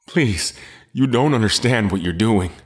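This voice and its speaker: A man's voice: fairly low pitch, expressive, a little slow. A man playing a frightened, defensive kidnapped novelist in an audio drama, pleading and stammering. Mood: fearful. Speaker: kidnapped guest character.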